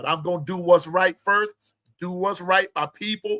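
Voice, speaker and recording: A man speaks in a raised, projected voice with a high pitch and a bright, sharp tone. His pace is moderate, his intonation fairly even, and the sound dry and close with no echo. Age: 60s. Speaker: sports livestream host. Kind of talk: casual livestream chat.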